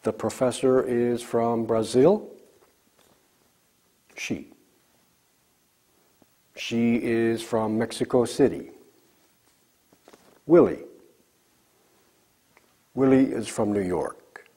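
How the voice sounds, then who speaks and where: A man teaching a recorded English lesson, slowly drilling example sentences for learners to repeat. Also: medium pitch, mellow.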